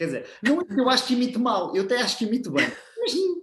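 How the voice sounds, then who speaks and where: A man's voice swings very widely in pitch. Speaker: podcast host. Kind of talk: interview conversation. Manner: fast.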